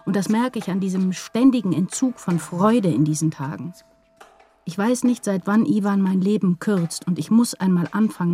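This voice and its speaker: An actress playing an anxious woman writer in love, speaking her intense inner thoughts and confessions in a measured literary radio drama. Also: medium pitch, darkish tone, husky, lightly acted. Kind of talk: literary radio drama, first-person inner monologue and dialogue.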